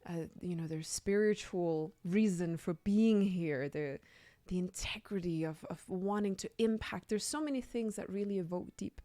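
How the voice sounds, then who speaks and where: A woman's voice: on the low side, moderate pace, mellow, no echo. A woman from Denmark talking earnestly and reflectively as an interview guest, repeating phrases for emphasis and checking in with the listener. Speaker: radio guest, leadership and personal development coach. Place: radio studio.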